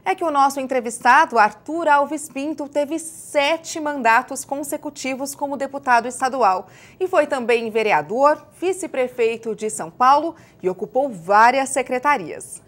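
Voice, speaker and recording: A woman's voice: high voice, normal speed, few pauses. A woman hosting a program, opening the show and interviewing a guest in a chatty, playful way with short prompting questions. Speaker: host.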